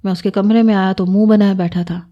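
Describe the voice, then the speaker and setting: A woman reading a scripted first-person story in a steady, even way. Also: medium pitch, highs cut off.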